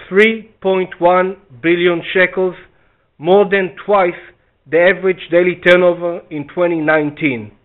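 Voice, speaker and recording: A man delivers a formal corporate presentation. He speaks in measured, scripted phrases, and the sound is a tinny, narrow phone line. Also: high-pitched. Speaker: stock exchange chief executive on earnings call. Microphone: conference call phone line.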